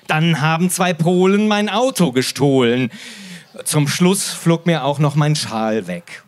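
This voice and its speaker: A man from the Sauerland hosting a limerick reading event, chatting between readings and reciting limericks slowly. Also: a little high, animated. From Sauerland, Germany. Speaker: host.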